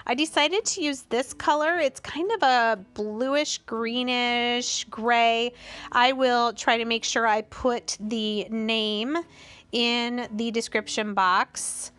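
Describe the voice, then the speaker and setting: A middle-aged woman narrating a home craft tutorial in a voice-over, calm and explanatory with small chatty asides. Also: a little high, slow, smooth.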